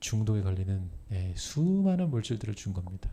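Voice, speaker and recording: Soft-spoken and somewhat breathy, a man with a dark, mellow tone talks at a moderate pace with very wide pitch swings. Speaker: health lecturer. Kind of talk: lecture. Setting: church.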